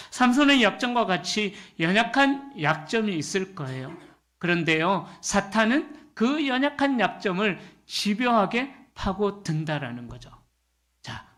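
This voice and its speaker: A man's voice: high voice, a bit bright. A middle-aged male pastor preaching at a Friday prayer meeting. He talks in a conversational way, often asks the congregation to agree, and acts out the lines he quotes with humor.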